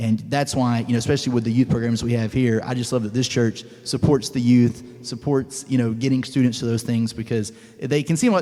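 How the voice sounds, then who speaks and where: A man with an American accent speaks at a fairly quick pace in a monotone, flat intonation. Noticeable background noise sits behind him. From Florida Panhandle. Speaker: church member. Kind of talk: testimony.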